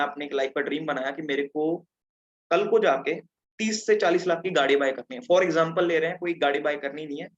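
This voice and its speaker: Teen male presenter from Punjab, slightly high voice, chatty online teacher, muffled video call sound. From Punjab, India. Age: teens. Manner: chatty, checks in with listeners. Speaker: webinar presenter. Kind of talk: interactive online lesson.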